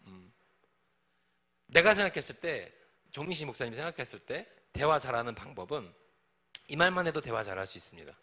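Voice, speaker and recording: A man's voice: mid-range voice, big pitch swings, fairly quick, long pauses, pushed and bright. A middle-aged man preaching to young adults in a conversational, teasing way, acting out bits of everyday dialogue. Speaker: pastor.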